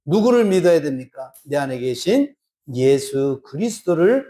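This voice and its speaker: A man's voice: a little high, big pitch swings, dark tone. A male pastor preaching a sermon in a church, acting out little exchanges to make his points. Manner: slow, drawn-out preaching with acted-out dialogue. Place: church sanctuary.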